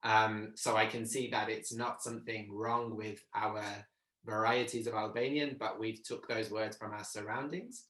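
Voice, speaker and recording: Young man, low voice, reflective, roomy video call sound. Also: steady tone, moderate pace, a bit bright. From Italy, Arbëresh community. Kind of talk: casual video call discussion. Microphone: laptop mic on video call. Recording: echoey room on video call.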